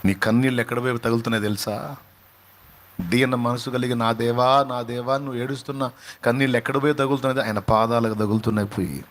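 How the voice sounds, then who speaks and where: A man preaches a sermon at a middle pitch. He presses each point home by repeating key phrases and throwing rhetorical questions at the listener. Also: steady tone, quick pace, slight background noise. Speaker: pastor.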